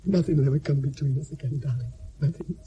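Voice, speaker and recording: An actor playing a desperate young miner, defiant and stammering under strain. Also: male voice, medium pitch, fast talker, mellow, lo-fi sound, a little hiss or hum, lightly acted. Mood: tender. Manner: defiant, then breaking, stammering. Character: desperate young male miner, torn and emotional.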